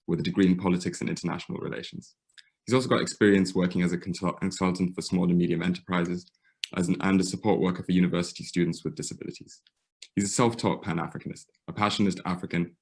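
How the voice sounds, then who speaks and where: A man hosting an event, briskly reading out a speaker's introduction. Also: low-pitched, creaky. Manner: brisk, reads a bio.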